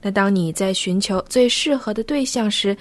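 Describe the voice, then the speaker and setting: A woman co-hosting a Christian radio talk show, explaining dating myths in a measured way. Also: medium pitch. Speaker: radio host. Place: radio studio.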